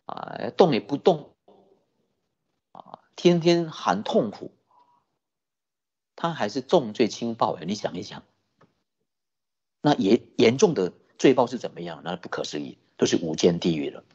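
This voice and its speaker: Buddhist teacher preaching, husky voice that swings up and down a lot, telling a story and asking the crowd questions. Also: mid-range voice, measured pace, long pauses. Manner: animated storytelling with rhetorical questions. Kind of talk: sermon. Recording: dull lo-fi recording.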